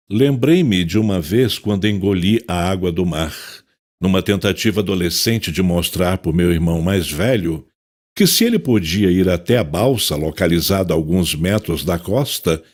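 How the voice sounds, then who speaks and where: A tormented psychiatrist played by a man confesses in a low voice with a Brazilian accent. His delivery is theatrical and anguished, swinging widely in pitch, as in a dark audio drama. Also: exaggerated voice. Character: tormented male psychiatrist, anguished and self-loathing.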